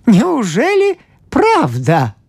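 A woman voicing a meek, excitable male priest who bursts into high, drawn-out exclamations. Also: no echo. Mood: eager.

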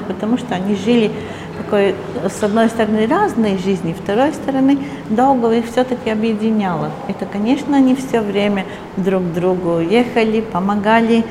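A woman's voice: mid-range voice, a little fast, background noise. Woman tour guide in a reverberant hall. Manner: hesitant non-native Russian phrasing. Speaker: museum guide.

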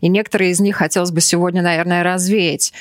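A woman's voice: fairly low pitch, fairly even intonation, fast. A woman hosting a studio podcast, friendly, with many filler sounds and a shifting pace. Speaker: podcast host. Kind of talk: hosting a studio talk show.

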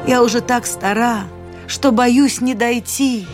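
A woman voicing a faithful, grey-haired old woman in a radio fairy tale, speaking slowly in a raised, pleading voice. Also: steady tone, faint music behind. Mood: yearning. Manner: slow, pleading, raised pitch.

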